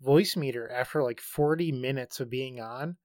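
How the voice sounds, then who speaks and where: Man, mid-pitched voice, dry close sound, cuts in to explain step by step. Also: normal speed, a little mellow, dry recording. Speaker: podcast co-host. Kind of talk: casual chat.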